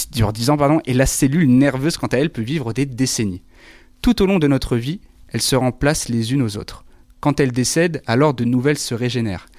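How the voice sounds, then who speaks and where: In a very clean recording with a silent background, a normal speaking voice moves at a fairly quick pace with ordinary pitch variation. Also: man, medium pitch for a man. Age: young. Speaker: civic service volunteer, columnist. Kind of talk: scripted science column. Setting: recording in a care home.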